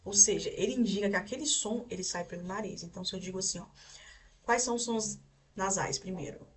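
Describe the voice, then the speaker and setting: A woman's voice: medium pitch, fast, distant mic. Brazilian woman teaching a grammar lesson. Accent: Brazilian Portuguese. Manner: explains step by step, checks in with "certo?" and "tá?". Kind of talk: recorded online grammar lesson.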